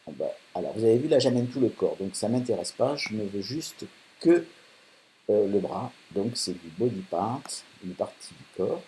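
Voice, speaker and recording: A man hosting a casual software tutorial, thinking aloud with many fillers while working on screen. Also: on the low side, sing-song, normal speed. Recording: faint hiss.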